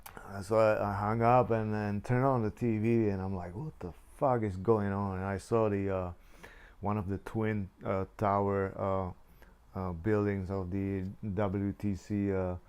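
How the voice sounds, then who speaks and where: A man recounting his own past in a casual spoken memoir, halting and full of restarts. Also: lowish voice, level tone, a little mellow, clean tone. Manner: halting, many restarts and fillers.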